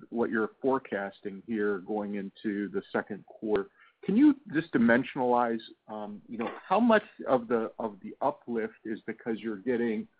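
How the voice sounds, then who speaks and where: Male analyst phoning in questions to an earnings call, husky, halting delivery, thin telephone sound. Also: medium pitch. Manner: halting, searching for words. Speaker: financial analyst asking questions. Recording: narrow muffled phone line.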